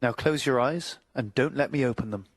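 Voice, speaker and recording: Male clinician, medium pitch, dry sound. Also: normal speed, no room sound. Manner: polite, simply phrased. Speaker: clinician demonstrating an examination. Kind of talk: polite step-by-step instructions to a patient.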